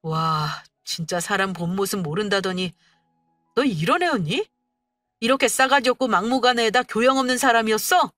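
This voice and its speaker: 여성이 연기하는 성질 급한 남편이 언성을 높여 몰아붙입니다. 억양이 크게 요동치고, 음악이 흐르는 건조한 녹음입니다. 자기 엄마 편만 드는 젊은 남자입니다. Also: female voice, medium pitch, expressive, moderate pace, no room sound, studio quality, soft background music, close to an everyday voice. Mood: angry shouting. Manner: shouting, accusing. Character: hot-tempered young husband, a mama's boy.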